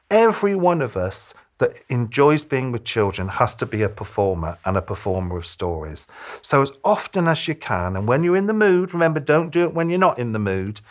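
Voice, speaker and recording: Guy in his 50s giving tips to camera, really animated ups and downs, emphatic storyteller delivery with pauses. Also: mid-range voice. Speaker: children's author giving reading tips to parents. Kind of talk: direct-to-camera advice talk, presentational. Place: small furnished room, indoors.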